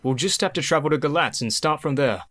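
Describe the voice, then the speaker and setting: An actor playing a practical, cautious young gentleman in a radio play. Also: fairly high pitch, expressive, fast talker.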